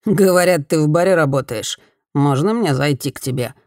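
A woman's voice: low-pitched, moderate pace, darkish tone, no room sound, clean studio sound, close to an everyday voice. A woman voicing a brash, drunken male ex-boyfriend who drawls and leers in a pushy way. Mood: leering.

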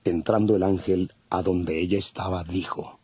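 A man narrating scripture from a script in measured storytelling. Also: deep voice, steady tone, darkish tone, husky, no echo. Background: faint music.

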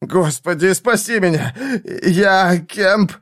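A man voicing a man screaming in hysterical terror, with high shrieking and panicked pleading. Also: slow pace, fairly bright tone. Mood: gasping, desperate.

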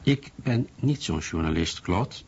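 A man acting as a blunt, firm writer recounts his search for truth in a very deep voice. It is a dull recording with faint noise. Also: expressive, a little slow, a little mellow. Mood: matter-of-fact, probing. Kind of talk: scripted first-person dramatised account.

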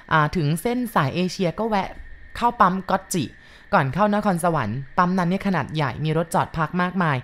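Female storyteller, lowish voice, calm and polite, reads a listener's ghost tale steadily. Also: slight background noise. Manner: calm, polite, measured retelling with soft sentence endings.

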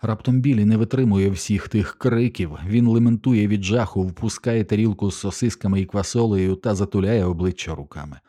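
A male audiobook narrator reads at a steady, measured pace. His voice sits low, with a dark, mellow tone. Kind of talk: scripted narration.

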